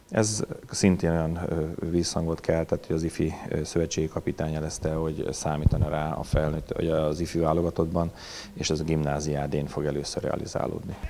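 Light background noise sits behind a man whose very deep, low voice moves at a fairly quick pace in a monotone, flat delivery. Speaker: swimming coach. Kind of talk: interview. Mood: calm, measured. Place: hall. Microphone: handheld.

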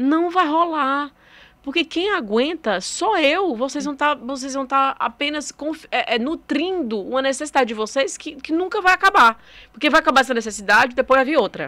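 A woman projects a raised, high voice with a bright, sharp tone. Her intonation is lively and her pace moderate. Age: 30s. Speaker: digital content creator. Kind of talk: interview conversation. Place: studio. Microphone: studio mic.

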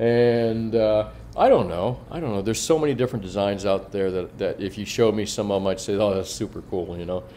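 A man with an American accent and a dark, mellow tone speaks at a moderate pace with hardly any pauses, his pitch fairly low and its variation ordinary. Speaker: coin dealer and video host. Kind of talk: casual livestream market commentary. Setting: livestream with chat. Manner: casual, animated.

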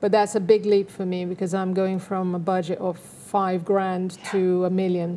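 Against light background noise, a woman with a dark, mellow tone speaks at a moderate pace with monotone, flat intonation and hardly any pauses. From Brazil. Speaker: film director; guest. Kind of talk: interview. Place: studio.

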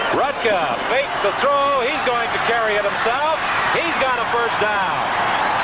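Loud background noise accompanies very slow speech, fairly slow in pace, in a dry sound with no echo. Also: man. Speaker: play-by-play football commentator. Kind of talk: live sports commentary, 1978 broadcast.

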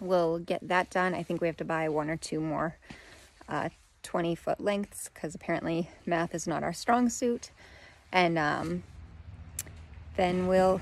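With long, frequent pauses, a woman talks at a fairly low pitch in a dry sound with no echo. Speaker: homesteader vlogger. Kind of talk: casual vlog chat. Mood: relaxed, cheerful. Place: open country. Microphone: phone near.

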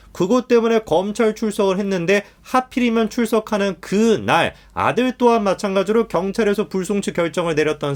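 Animated in tone, a high-pitched man speaks at a moderate pace with ordinary pitch variation. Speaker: political commentary YouTuber. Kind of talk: political commentary monologue.

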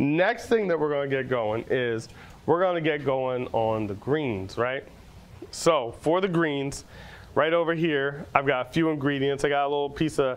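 With ordinary pitch variation, a man speaks at a moderate speed. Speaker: TV chef host. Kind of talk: cooking tutorial. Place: studio. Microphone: lapel.

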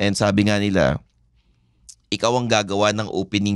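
Speaking at a moderate pace, a man with a fairly low pitch comes through dry with no echo over a quiet background. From Philippines. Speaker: podcast host. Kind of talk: casual chat. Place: studio. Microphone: studio mic.

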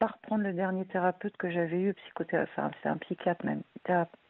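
This woman has an unremarkable speaking voice, fairly low in pitch with ordinary pitch variation, heard in a dry sound with no echo. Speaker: caller. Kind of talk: casual chat. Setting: phone call. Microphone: phone line.

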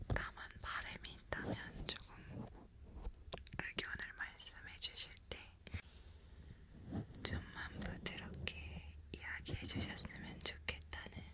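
Very slow whispering from a woman, broken by long, frequent pauses. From Korea. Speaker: ASMR creator. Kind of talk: ASMR whisper video. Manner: whispered. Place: home room. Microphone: studio mic.

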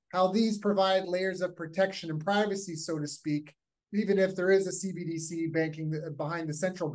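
A man with a plain, everyday voice, at a fairly quick pace and with fairly even intonation. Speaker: podcast host. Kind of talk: interview.

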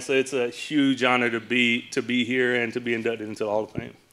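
A man with a North Carolina accent talks with fairly even intonation. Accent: US South, North Carolina. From Pembroke, North Carolina. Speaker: former pro football player. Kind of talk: onstage interview. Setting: stage with audience. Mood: warm, honored, reminiscing. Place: hall. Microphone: handheld.

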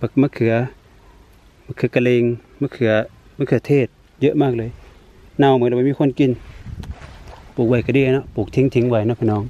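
A man speaks in a monotone, with flat intonation and a dark, mellow tone. The sound is dry, with no echo. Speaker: vlogger showing family garden. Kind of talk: casual vlog chat. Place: garden. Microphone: phone near.

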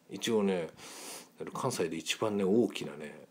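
A man speaks with a fairly low pitch. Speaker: motorcycle touring vlogger. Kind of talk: casual narration over photos. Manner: relaxed, chatty.

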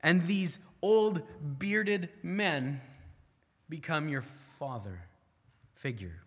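A man speaks very slowly, leaving long, frequent pauses. His pitch swings very widely. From Saskatchewan, Canada. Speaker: pastor. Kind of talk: sermon. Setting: church. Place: church.

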